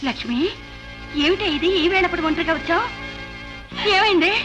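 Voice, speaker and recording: A woman's voice: very high voice, lively intonation, brisk, music in the background. An actress playing a worried middle-aged mother who coaxes her crying daughter and comforts her husband in a dubbed film. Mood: anxious. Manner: anxious, pleading, consoling. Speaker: mother and wife.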